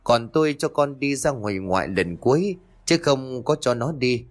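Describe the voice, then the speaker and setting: A man voicing a sharp-tongued rural wife and mother who answers back with quick, scolding retorts in a raised, fast voice. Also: mid-range voice, expressive, close to an everyday voice. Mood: defiant.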